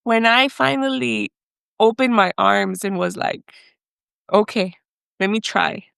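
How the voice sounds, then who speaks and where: A woman talks slowly in a clear, resonant mid-range voice that is fairly bright with vocal fry, recorded at studio quality without room sound. As a podcast guest raised in the US by Mexican parents, she tells her story emotionally and hesitantly, slipping in Spanish phrases.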